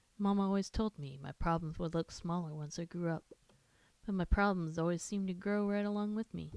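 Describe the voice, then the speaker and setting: A woman uses a gruff, put-on character voice at a fairly low pitch, with fairly even intonation and a fairly quick pace, in a dry, close sound with no echo. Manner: muttering.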